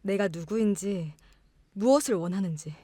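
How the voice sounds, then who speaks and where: A woman's voice: medium pitch, moderate pace, mellow, breathy edge, dry recording, natural voice. An actress playing an earnest, independent-minded young woman in an audio drama, with a hesitant, heartfelt delivery. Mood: sorrowful, resolute.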